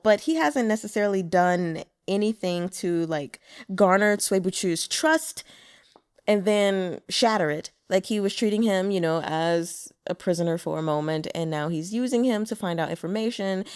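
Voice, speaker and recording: Woman narrator, casual and chatty, explaining words between chapters; dry, mid-pitched read. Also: darkish tone, clean tone, dry recording. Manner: chatty, explains Mandarin terms, laughs often. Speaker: audiobook narrator.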